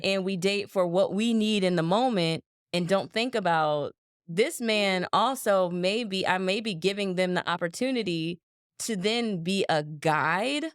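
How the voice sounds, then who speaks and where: A woman in her thirties co-hosting a casual chat with her sister, telling stories in a lively way and acting out quotes. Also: medium pitch, a little slow, clean tone, dry recording, clean studio sound. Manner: animated storyteller, acts out quotes, laughs easily. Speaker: podcast co-host.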